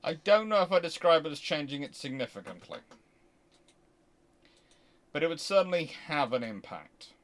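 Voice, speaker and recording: A British man hosting a casual question-and-answer chat, talking in a rambling, halting way and often interrupting himself. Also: fairly high pitch. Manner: rambling, halting, animated anecdotes with self-interruptions. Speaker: host answering viewer questions.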